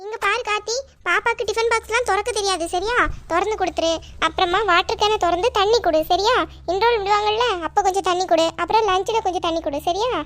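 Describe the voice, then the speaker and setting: A woman's voice: extremely high pitch, quick pace. A woman voicing a bossy, quarrelsome cartoon mother. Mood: scolding. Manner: sharp, scolding, bossy. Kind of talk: cartoon voice acting.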